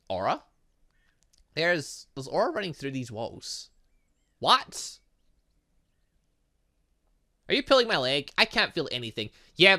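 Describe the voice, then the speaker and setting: Guy doing a lets play, reading game dialogue out loud, real animated and bright, playful side comments. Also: fairly high pitch. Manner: animated, interjecting, playful asides. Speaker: gaming channel host. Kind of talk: let's play commentary, reading visual novel dialogue aloud.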